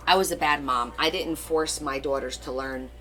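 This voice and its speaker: Chatty middle-aged woman, lowish voice. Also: moderate pace, bright, forceful tone. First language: Portuguese. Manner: chatty and rambling, answers viewer comments. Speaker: crafting livestream host. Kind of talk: casual live-stream chat.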